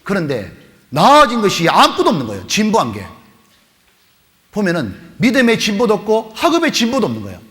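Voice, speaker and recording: A man preaching to a youth retreat, telling a story with animated voices for the mother and the kids. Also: high voice, fairly quick. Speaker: pastor. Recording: long hall reverb.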